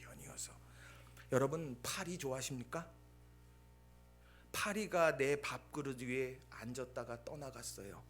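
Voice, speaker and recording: A male pastor preaching a Sunday sermon, telling stories with acted-out dialogue and swings between loud bursts and hushed asides. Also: mid-range voice, a little slow, long pauses, faint music behind. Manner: animated storytelling, acting out quoted dialogue.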